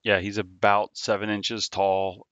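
A toy designer, a man, explaining his figures in a relaxed, detailed way. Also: lowish voice, measured pace, clear, resonant tone, no room sound, muffled recording. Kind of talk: casual explanation.

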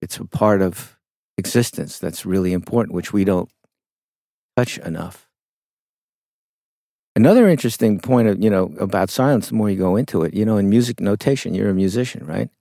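A middle-aged man, a songwriter guest in an interview, talking in a reflective, unhurried way with frequent fillers. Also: fairly low pitch, lively intonation, vocal fry, dark tone, no echo, studio quality. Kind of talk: conversational interview storytelling.

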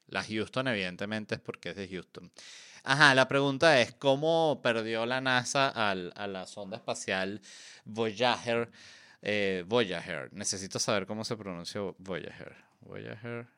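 A man's voice: lowish voice, a little slow, sharp tone, clean tone. A man hosting a podcast, talking in a playful, joking, rambling way with lots of fillers. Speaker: podcast host. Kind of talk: casual chat.

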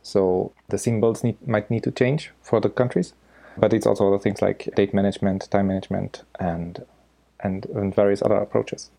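Male podcast guest, native German speaker with Austrian accent, lowish gravelly voice, conversational. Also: steady tone, normal speed, warm tone. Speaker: podcast guest, freelance developer. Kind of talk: conversational explanation.

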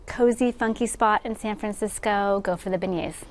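A woman's voice: mid-range voice, normal speed. A woman on a restaurant panel gushes about the dishes. There is faint noise in the room behind her. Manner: gushing. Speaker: show panelist.

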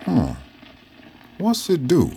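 An actor playing an elderly former slave and Union veteran who is guarded, wry and folksy. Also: male voice, a little high, wildly swooping pitch, slow pace, gravelly, warm tone, a little hiss or hum, heavily acted. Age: older. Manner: wary, folksy, drawling. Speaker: interviewee.

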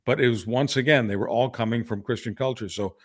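Speaking fast in a mid-range voice, this older man born in Hungary co-hosts a casual political podcast. He is earnest and frequently restarts his phrases.

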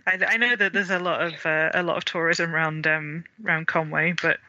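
A man from Wales chats with a very bright, somewhat high voice. He hedges and restarts often, laughing lightly between thoughts. The sound is dry and dull, like a lo-fi video call. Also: fairly even intonation, fairly quick, dry recording. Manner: hesitant, many fillers and restarts, laughs often. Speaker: author and illustrator guest. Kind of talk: casual interview chat.

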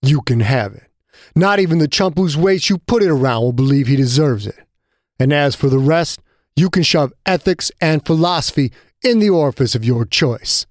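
A man's voice: a little high, lively intonation, normal speed, dry recording, clean studio sound, natural voice. A man voicing a proud young male fighter who speaks with angry contempt. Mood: defiant.

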